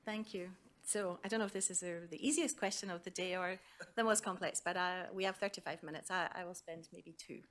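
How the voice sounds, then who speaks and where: A woman's voice: fairly low pitch, fairly even intonation, fairly quick, a bit bright. A woman answering as a panelist in a semi-formal, conversational way, thinking aloud and stressing her points.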